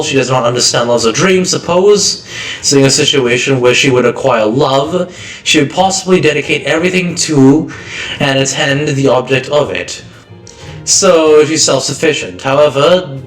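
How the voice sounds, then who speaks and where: A man streaming a game, reading story text aloud with wry joking asides, slightly hoarse. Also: medium pitch, a bit bright. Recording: roomy distant mic, music behind.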